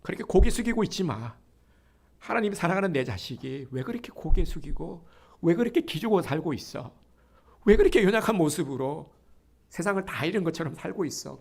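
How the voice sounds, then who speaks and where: A man voicing a loving fatherly God who coaxes and urges softly and tenderly. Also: medium pitch, husky. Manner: soft, coaxing and gently urging.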